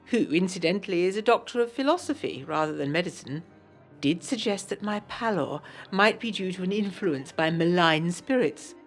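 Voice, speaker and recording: A woman playing a genteel, lively 1920s Englishwoman with an English accent, reading her letters aloud in a prim, articulate way for an audio drama. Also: fairly low pitch. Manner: prim, articulate, period turns of phrase.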